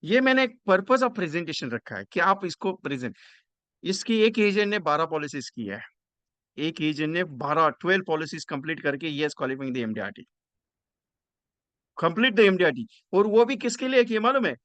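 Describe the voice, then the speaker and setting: Very animated yet unhurried, a man with a fairly high, somewhat bright voice trains insurance agents online in a dry recording. He takes the figures step by step, quizzes his audience, repeats phrases to stress them, and blends English into his talk.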